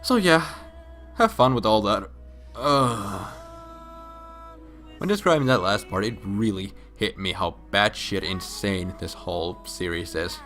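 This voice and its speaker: A man's voice: fairly low pitch, expressive, moderate pace, fairly bright tone. A man giving a drunk, rambling, profane comedic story recap with emphatic outbursts, in the casual way of a video game explainer. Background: background music.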